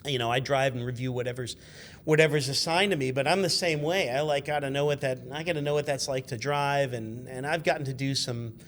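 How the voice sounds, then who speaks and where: A man in his fifties chatting casually as a guest, telling animated, rambling, sweary anecdotes as a car journalist. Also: medium pitch, brisk, a little hiss or hum. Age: 50s.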